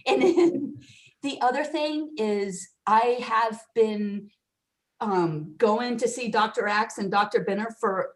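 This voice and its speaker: A woman's voice: a little high, takes it slowly. A woman calling in on a live video call from her computer. She chats casually, laughs between phrases, and her voice echoes back over the call. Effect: echoey voice that repeats back over the call. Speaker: caller and patient.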